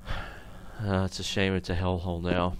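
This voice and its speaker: A man with an Australian accent giving casual, halting gameplay commentary that trails off into asides, on a noisy home recording. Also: low-pitched, completely flat delivery. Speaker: gamer recording a let's play.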